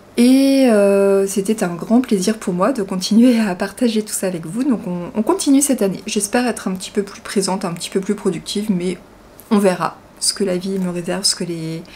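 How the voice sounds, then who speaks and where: A woman speaks at medium pitch and a moderate pace, with ordinary pitch variation. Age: 40s. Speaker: sewing podcaster and pattern designer. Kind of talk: casual vlog monologue. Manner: hesitant, many fillers.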